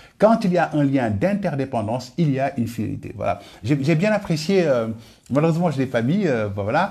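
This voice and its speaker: A man's fairly high, somewhat breathy voice at a fairly quick pace, with very wide pitch swings, on a very clean recording with a silent background. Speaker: marketing trainer. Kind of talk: lecture. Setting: live video stream. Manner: halting, many repetitions and fillers.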